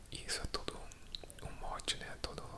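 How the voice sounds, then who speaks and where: A man whispers over noticeable background noise. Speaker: ASMR creator analysing films. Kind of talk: ASMR film analysis, soft-spoken whisper. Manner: whispered, soft-spoken, relaxing.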